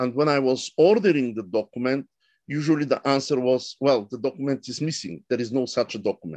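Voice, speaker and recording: A man with a Bulgarian accent talks at a fairly quick pace in a medium pitch with ordinary pitch variation. The sound is dry with no echo, and the background is quiet. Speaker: professor. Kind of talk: panel presentation. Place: home room. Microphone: webcam.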